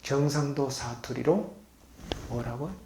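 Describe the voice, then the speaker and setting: Speaking at a measured pace in a mid-range voice, a male pastor delivers a sermon at a healing retreat center, the hall around him echoing. His volume rises and falls as he questions the congregation.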